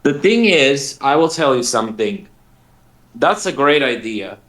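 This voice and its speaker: A man in a casual chat on a call, speaking haltingly and laughing between phrases. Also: medium pitch, sing-song, a bit bright. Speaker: guest on a call.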